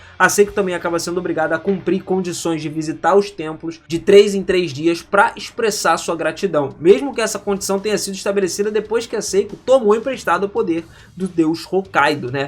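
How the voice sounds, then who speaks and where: Here a man speaks at high pitch in a Carioca accent, with ordinary pitch variation. His pace is fairly quick, with hardly any pauses. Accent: Carioca (Rio de Janeiro). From Brazil, Rio de Janeiro. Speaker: anime YouTuber. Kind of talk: casual video commentary. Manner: casual slangy delivery.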